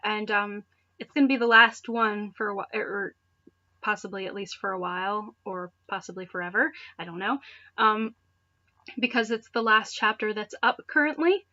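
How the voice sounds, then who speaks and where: A woman's voice: mid-range voice, fairly even intonation, moderate pace, pushed and bright, dull audio. A woman reading fan fiction aloud in a mocking dramatic style, breaking off for casual, sarcastic asides. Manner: sarcastic, conversational, breaks off to comment. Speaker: reader of amateur fan fiction for videos.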